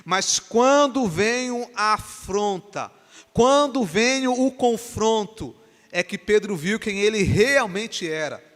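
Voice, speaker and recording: A man from Brazil, a pastor, preaching an animated sermon in a church and acting out the dialogue of the story. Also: sits high, takes it slowly. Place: church sanctuary. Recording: long church reverb.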